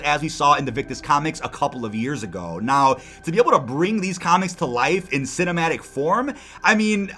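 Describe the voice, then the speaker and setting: A man's voice: fairly high pitch, bright, forceful tone. A man hosting gaming news commentary, speaking emphatically and directly to his viewers. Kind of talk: scripted-sounding gaming news commentary to camera audience.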